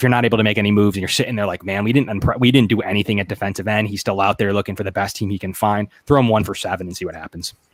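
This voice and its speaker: A man speaks with a Buffalo accent at a fairly low pitch. His pace is very fast. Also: fairly even intonation, hardly any pauses. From Western New York (Buffalo). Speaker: sports podcast host. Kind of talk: casual sports podcast chat. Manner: hesitant, many fillers (um).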